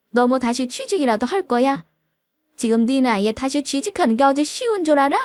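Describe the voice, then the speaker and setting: A scornful middle-aged mother-in-law, put on by a woman, jeers and scolds in a high, swooping voice that leaps all over. Her sarcasm drips through a dry, close recording. It comes from a storytelling reading. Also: no echo.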